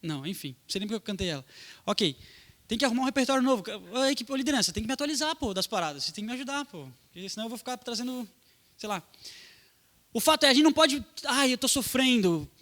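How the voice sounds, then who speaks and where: A man's voice: very high-pitched, animated, racing, a bit bright. A young adult man, a pastor preaching a sermon in a casual, slangy way aimed at young people.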